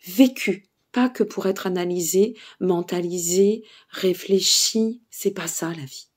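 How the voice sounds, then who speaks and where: Her voice mid-range, a little mellow and husky, a tired woman with a Burgundian French accent advises on spiritual matters to camera from an indoor seat. She's hesitant, uses many fillers and keeps checking in with listeners.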